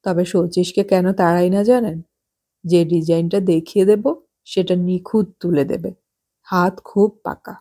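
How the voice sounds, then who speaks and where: A woman's voice: fairly low pitch, fairly even intonation, measured pace. A woman voicing a nosy, gossipy housewife. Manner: chatty, prying, sharp-tongued. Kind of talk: audiobook character voice.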